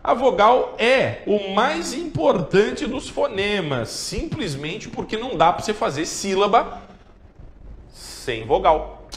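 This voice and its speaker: Guy teaching an exam-prep class on tv, kinda high voice, chatty, sweet-talks the students. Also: vocal fry. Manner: playful, coaxing, with pet names for students; repeats checks like "ok?" and "beleza?". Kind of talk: televised exam-prep lesson.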